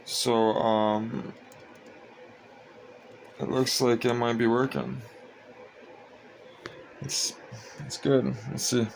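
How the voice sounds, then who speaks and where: Sleepy young guy vlogging from home, flat and meandering, with a faint hiss under the voice. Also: medium pitch, extremely slow, gravelly, long pauses, poor audio. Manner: monotone, meandering, frequent fillers. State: tired, sleepy. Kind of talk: casual rambling vlog.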